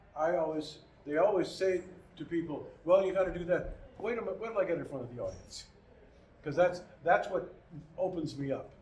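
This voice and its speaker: A man talks with a high-pitched voice. Noticeable background noise and audible room echo surround him. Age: 70s. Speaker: pre-concert lecturer, singer and radio host. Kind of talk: audience Q&A. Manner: halting, with restarts.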